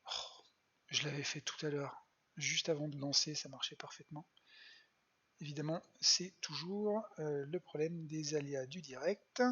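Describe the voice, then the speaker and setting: A bright, forceful voice with a husky edge, explaining astronomy at a patient pace for young viewers. The talk is full of hesitant fillers and quiet asides muttered while working the screen. It comes through a dull, lo-fi home stream. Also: medium pitch, normal speed. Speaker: planetarium science educator. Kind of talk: live online astronomy demo for kids.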